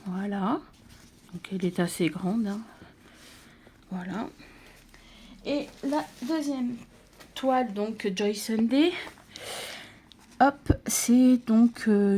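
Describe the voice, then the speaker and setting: A woman from France talks slowly through an unboxing of embroidery kits, with a mid-pitched voice. Her delivery is casual and hesitant, full of fillers and small restarts. A faint background noise sits under the recording. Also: dark tone. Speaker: craft vlogger.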